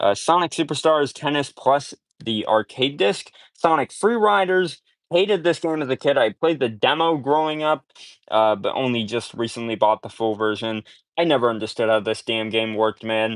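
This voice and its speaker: Using an unremarkable speaking voice, a man talks at a moderate pace and medium pitch with lively intonation. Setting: live stream.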